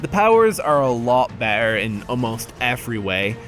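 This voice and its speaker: A man with a medium-pitched voice presents a scripted game review. His delivery is conversational and candid, with a wry streak. Music plays faintly behind him. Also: big pitch swings, moderate pace, a bit bright.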